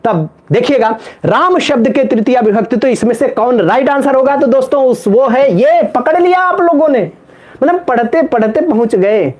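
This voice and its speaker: A man's voice: very high voice, animated, moderate pace, darkish tone. A man teaching Sanskrit in a live online exam-prep class, chanting word forms in a sing-song rhythm and joking with viewers in the chat. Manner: playful, banters with viewers in chat.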